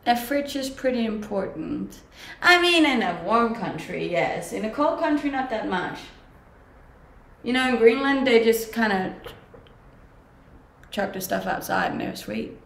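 Relaxed Danish-accented young woman livestreaming. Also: on the high side, measured pace, creaky. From Denmark. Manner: relaxed, chatty, laughs often. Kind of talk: casual chat reading viewer comments. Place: home kitchen, indoors. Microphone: webcam at desk distance. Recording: echoey kitchen with faint background hum.

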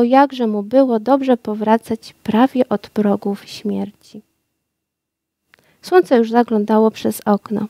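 A woman reading a fairy tale aloud in a calm, soft storytelling voice that drops to a hush at times. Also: on the high side, no room sound, studio quality. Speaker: reader.

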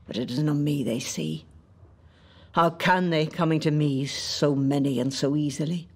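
Ancient nature spirit for poetic radio play: higher-pitched, very slow, elegiac, proud and mournful. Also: male voice. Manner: deliberate, elegiac. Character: mournful ancient spirit of a spoiled wild lake shore. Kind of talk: poetic audio drama monologue.

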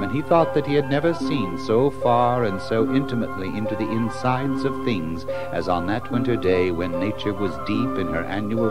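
A man's voice: fairly low pitch, low-quality recording. A man narrating a children's story in a theatrical, suspenseful manner. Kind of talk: dramatic scripted storytelling.

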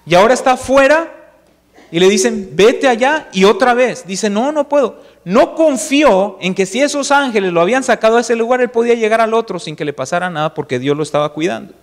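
High-voiced man preaching in an echoing hall. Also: expressive, fast talker. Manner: storytelling, acts out dialogue of the story in quoted voices. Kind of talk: sermon. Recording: long hall reverb.

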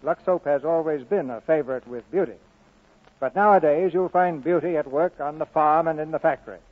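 High-pitched 1940s radio host, tinny vintage sound. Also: male voice, fairly quick. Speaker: radio theatre host and announcer. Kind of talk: 1940s scripted radio announcing. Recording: muffled narrowband vintage radio broadcast.

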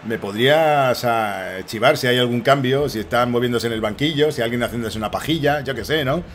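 A man with a Spain Spanish accent streaming live gameplay commentary, joking and excitable with swearing banter. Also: mid-range voice, fairly quick, slight background noise. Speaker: gaming streamer.

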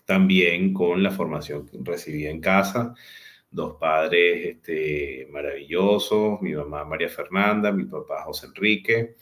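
A man in his forties with a Venezuelan accent, telling his life story as a guest on a video call, unhurried and full of hesitant fillers. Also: low-pitched, a bit bright. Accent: Venezuelan Spanish. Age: 40s. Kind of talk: personal storytelling in an interview. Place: home room with a large window. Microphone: video call webcam.

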